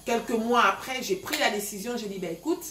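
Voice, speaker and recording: A woman's voice: fairly high pitch, a little fast, fairly bright tone, slight background noise. A woman in her thirties from Gabon, casually telling a story to her viewers with lots of fillers. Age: 30s. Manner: chatty, many fillers, addresses viewers directly. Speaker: vlogger giving relationship advice. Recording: echoey room.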